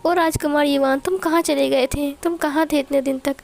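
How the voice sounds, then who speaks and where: A woman's voice: sits high, fast talker, natural voice. A woman voicing a bossy, doting royal grandmother who fusses over her grandson.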